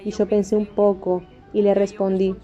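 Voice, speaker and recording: A woman's voice: mid-range voice, completely flat delivery, normal speed, warm tone. A woman narrating a religious testimony in an earnest, emphatic way, as a preacher. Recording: dull lo-fi audio with faint music.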